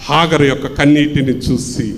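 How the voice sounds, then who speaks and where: A man's voice: fairly high pitch, fairly even intonation, normal speed, big-room sound. A man preaching a sermon, repeating lines in a rhythmic cadence and posing rhetorical questions. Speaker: pastor. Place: church.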